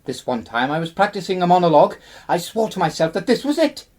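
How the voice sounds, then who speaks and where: A woman's voice: lowish voice, very animated, fast talker, a little mellow. A woman playing a vain, easily offended male actor in his twenties, grandiose and melodramatic, in a radio play. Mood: grandiose, sorrowful. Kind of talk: theatrical radio play acting.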